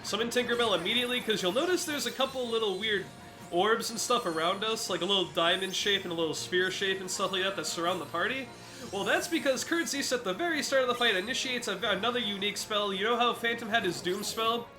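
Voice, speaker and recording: A man's voice: sits high, quick pace, over music. A congested man giving let's play commentary, explaining a game boss fight step by step to viewers. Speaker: gaming commentator.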